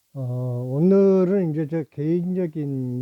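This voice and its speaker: Here a man speaks at a very slow pace. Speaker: channel host. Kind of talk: casual monologue. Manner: halting, many fillers.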